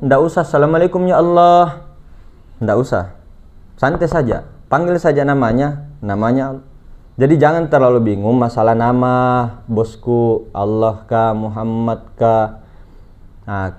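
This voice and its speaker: A man giving a relaxed, joking sermon as a religious teacher, repeating key terms for emphasis. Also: mid-range voice. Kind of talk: casual sermon on Sufism. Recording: dull lo-fi recording.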